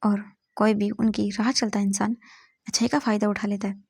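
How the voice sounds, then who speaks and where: A stern, reserved young man who scolds in short, cold lines, as a woman narrator puts him on. Her voice carries a gravelly creak and is recorded close and dry. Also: medium pitch, little pitch movement, moderate pace, darkish tone, no room sound. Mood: stern, curt.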